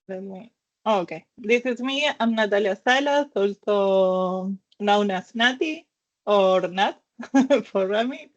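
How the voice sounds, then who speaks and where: A woman's voice: mid-range voice, muffled recording. A woman from Argentina with an Argentine accent and Spanish as her first language, presenting to a webinar audience over a video call. She talks in careful non-native phrasing and laughs between points. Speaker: finance consultant presenter.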